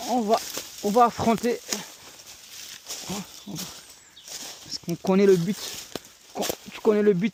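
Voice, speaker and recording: A man's voice: fairly high pitch, a little mellow, a little hiss or hum. A man vlogging outdoors while walking a hillside trail, exhorting his viewers as friends in a preaching style, filmed on a handheld phone. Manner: walking and climbing while talking. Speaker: evangelist. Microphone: handheld phone camera.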